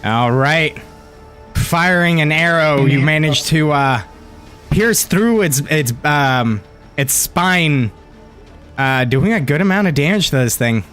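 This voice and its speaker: A man narrating a tabletop fantasy game as game master, casual and a little halting as he describes the action. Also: on the high side, lively intonation, a bit bright, smooth, soft background music.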